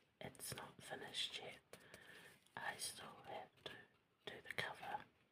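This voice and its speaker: Someone is whispering. The accent is New Zealand. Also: fairly slow pace. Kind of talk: ASMR craft video, casual talk to camera. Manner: whispered.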